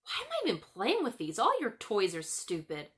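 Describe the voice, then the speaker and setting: A woman's voice: on the high side, huge pitch swings, normal speed. A woman voicing a sneering, cruel young boy in a storybook, irritable, snappish and mocking. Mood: scornful.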